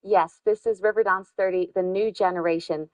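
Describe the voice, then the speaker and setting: A woman's voice: mid-range voice, fairly even intonation, normal speed, a little mellow. Encouraging woman dance instructor. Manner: encouraging, counting out steps. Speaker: dancer in a touring dance show. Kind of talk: teaching dance steps on TV. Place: TV studio.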